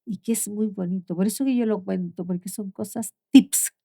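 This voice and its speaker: An older woman, telling heartfelt stories as an interview guest, her voice often dropping soft. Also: mid-range voice, normal speed, creaky. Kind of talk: conversational interview.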